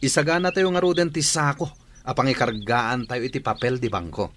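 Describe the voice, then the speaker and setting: An actor with an Ilocano Filipino accent playing a smug, greedy bank robber sidekick in a radio drama. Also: male voice, mid-range voice, brisk, fairly bright tone, slight background noise, lightly acted. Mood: scheming.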